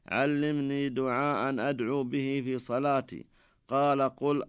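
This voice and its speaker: A man presenting a radio lesson on Islamic law, reading texts in a measured, formal manner. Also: medium pitch, clean tone, no room sound. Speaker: Islamic scholar presenting a jurisprudence program. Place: radio studio.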